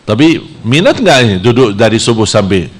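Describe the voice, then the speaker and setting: A man from Saudi Arabia, preaching a sermon in a lively style whose pitch jumps high when he plays out temptations. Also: fairly quick, slightly rough.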